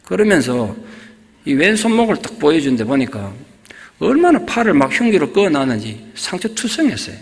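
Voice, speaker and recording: A man's voice: a little high, wildly swooping pitch, moderate pace. A male pastor retelling a story in a sermon, with vivid, emotional storytelling. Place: church sanctuary. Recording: long church reverb.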